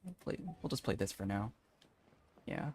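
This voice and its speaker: A man's voice: lowish voice, lively intonation, moderate pace, no echo. A man live streaming a video game, chatting casually and rambling as he thinks aloud. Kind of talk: casual gaming stream chat.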